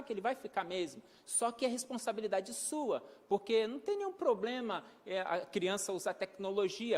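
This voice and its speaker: High-voiced man preaching in a reverberant hall. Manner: emphatic, repeats key phrases; acts out everyday dialogue. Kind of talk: sermon on parenting.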